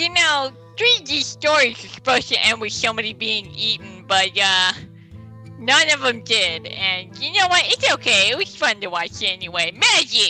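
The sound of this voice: A loud, booming, resonant put-on character voice with a fairly high pitch speaks at a moderate pace over clear background music.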